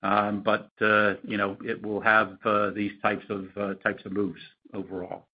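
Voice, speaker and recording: A man speaking as a company executive answering analysts on an earnings call, in a halting, measured way. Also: on the low side, flat delivery, breathy edge. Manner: halting, hedged, measured delivery. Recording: muffled, lo-fi conference call audio.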